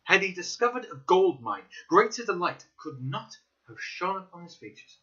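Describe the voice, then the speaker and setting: Male storyteller for dramatic narration, slightly high and very forceful, on a lo-fi recording. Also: very animated, normal speed. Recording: dull lo-fi recording.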